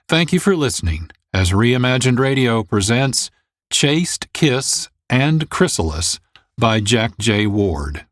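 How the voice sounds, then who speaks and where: A man hosting a radio storytelling program, introducing the episode in a measured, scripted delivery. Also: medium pitch, very animated. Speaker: producer and host.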